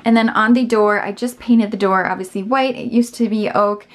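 A woman's voice: medium pitch, steady tone, normal speed. A woman in her thirties giving a casual, upbeat tour of her small laundry room, filmed on a handheld phone. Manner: chatty and upbeat, with fillers and small laughs. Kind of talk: casual home tour chat. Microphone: handheld phone camera.

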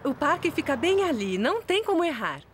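A woman's voice: high-pitched, big pitch swings, brisk, a little hiss or hum. A woman voicing a patient, cheerful mother in a Brazilian children's cartoon dub. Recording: loud music behind the voice.

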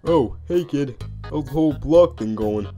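Easygoing cartoon skeleton, male actor: deep and relaxed, deadpan drawl, wry, soft music behind. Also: measured pace. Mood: laid-back. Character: laid-back, wry male skeleton, big brother type. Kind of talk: cartoon comic dub.

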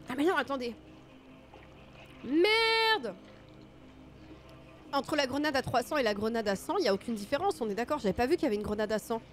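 A woman streaming a video game with casual, self-mocking commentary, her nose stuffy from a cold. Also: high voice. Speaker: gaming streamer.

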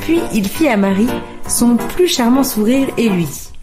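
A woman narrating a children's tale in a calm, expressive storybook reading. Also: a little high, normal speed. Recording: radio studio with music bed.

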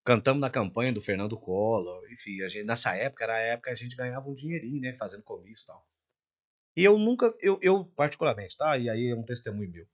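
An older man from Minas Gerais with a Mineiro accent, a guest singer on a podcast, telling a story in an animated way and acting out every line of dialogue himself. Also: medium pitch, fast, dull audio. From Minas Gerais, Brazil.

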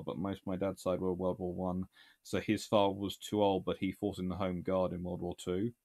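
A British man in his thirties talks casually at a desk in a small book-lined study. He flips between dry, wry asides and sudden bursts of enthusiasm, with a somewhat low voice. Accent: British English. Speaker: naval historian host. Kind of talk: casual chat reviewing books and answering questions.

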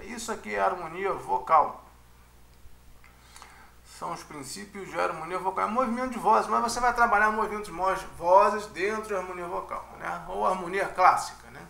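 Chatty high-voiced man teaching music. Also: vocal fry, pushed and bright, reverberant. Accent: Brazilian Portuguese. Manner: chatty, checks in with "né?" and "tá?". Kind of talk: casual explanatory lecture.

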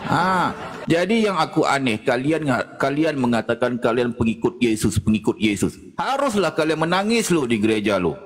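A man's voice: medium pitch, sing-song, moderate pace. A man holding forth in a mocking live-stream discussion, laughing often and taunting his listeners. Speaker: debater in an online faith discussion. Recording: echoey with loud background noise.

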